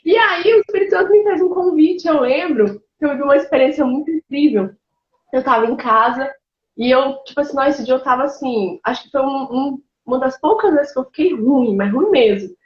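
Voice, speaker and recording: A woman's voice: high-pitched, fairly quick, reverberant, lo-fi sound. A woman pastor, telling her personal testimony in an interview with emotion and bursts of laughter. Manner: emotional, animated storytelling with laughs and colloquial fillers.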